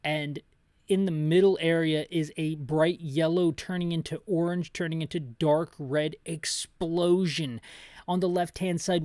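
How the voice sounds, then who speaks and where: A man's voice: fairly high pitch, no room sound. A man giving casual, rambling descriptive commentary on a video game, with jokey asides. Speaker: video game playthrough narrator.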